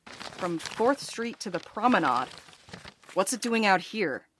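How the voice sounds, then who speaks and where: A woman acting in an audio drama as a wry, articulate character, speaking in a dry, measured way. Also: medium pitch, sing-song, fairly bright tone, slight background noise, rough recording. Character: wry, blunt postal worker, also a reflective letter-writing ghostwriter. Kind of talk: audio drama dialogue and monologue.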